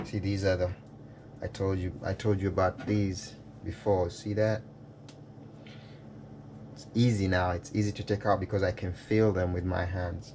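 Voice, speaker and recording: Somewhat breathy, a man with a non-native accent speaks at a moderate pace in a very deep, low pitch and a dark, mellow tone, with monotone, flat intonation and long, frequent pauses. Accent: non-native, noticeable. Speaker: home cook. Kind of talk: casual cooking tutorial to camera.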